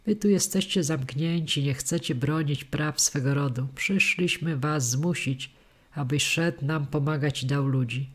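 A man's voice: a little high, measured pace, breathy edge. Proud young noble voiced by a male narrator, haughty, demanding, audiobook.

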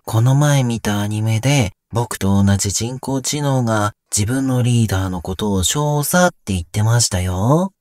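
A man's voice: fairly low pitch, a little mellow, dry recording, clean studio sound, lightly acted. A man playing a cheerful, devoted young AI companion in an audio drama, speaking politely with a teasing streak. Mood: polite, helpful. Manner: polite, teasing, drawn-out calls. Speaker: voice actor. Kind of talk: Japanese audio drama acting.

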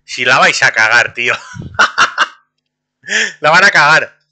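A young man, streaming a game and talking to his chat in a casual, excitable way, laughing often. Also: medium pitch, moderate pace. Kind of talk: casual gameplay commentary.

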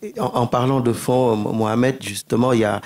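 Flat-toned, halting panel moderator man. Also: medium pitch. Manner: halting, stammering restarts, frequent backchannel. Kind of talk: panel discussion. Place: indoor stage at a public panel. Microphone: handheld mic.

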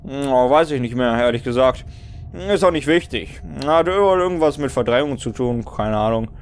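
A man's voice: mid-range voice, moderate pace, a little hiss or hum, natural voice. A man playing a jaded but comradely veteran soldier in an audio drama, blunt and resigned.

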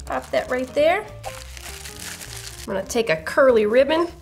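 A woman's voice: sits high, expressive, unhurried, gravelly, soft background music. A young woman hosting a children's craft tutorial, bubbly and playful with jokey asides. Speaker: kids' craft show host.

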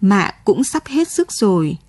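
A grieving old village mother, worn out with sorrow, speaks tearfully and pleadingly in a radio story, voiced by a woman reading it. The voice is mellow and a little husky, close and dry. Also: mid-range voice, big pitch swings, measured pace, dry recording.

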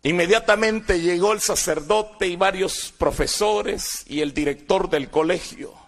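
A man in his sixties with a Guatemalan Spanish accent and a high-sitting, gravelly voice speaks unhurriedly. A former guerrilla, he gives personal testimony as a dramatic storyteller, acting out the voices of people from his past.

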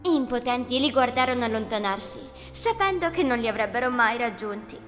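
A woman's voice: fairly high pitch, expressive, a little fast, fairly bright tone. A woman narrating a scripted children's fairy tale as storyteller. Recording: long reverb, music underneath. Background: music.

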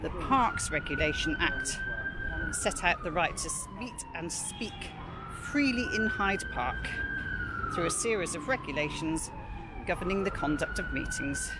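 A chatty woman narrates a walk through a city park, her voice rising and falling in a lively way. She speaks informally as she walks, into a camera mic. Traffic and street noise come through clearly behind her. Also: very high voice, unhurried. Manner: chatty, informal, reads out prices and history. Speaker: walking tour narrator. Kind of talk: chatty walking commentary. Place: outdoors in a large city park.

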